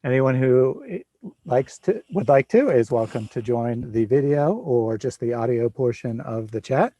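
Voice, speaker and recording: Relaxed chatty man in his forties. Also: medium pitch, unhurried, no echo. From Midwest United States. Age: 40s. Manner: relaxed, chatty, laughs often. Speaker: livestream host. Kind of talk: casual livestream chat.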